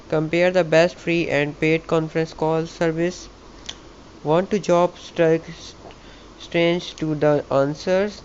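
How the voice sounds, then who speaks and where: A man with a South Asian accent, a native Hindi or Urdu speaker, hosting a tech tutorial in a halting, stumbling way. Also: on the high side, a little mellow. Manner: halting, stumbling reading of English with repeated words. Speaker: YouTube tech channel host. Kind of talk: tutorial, reading an article aloud with casual asides. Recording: muffled lo-fi mic with background noise.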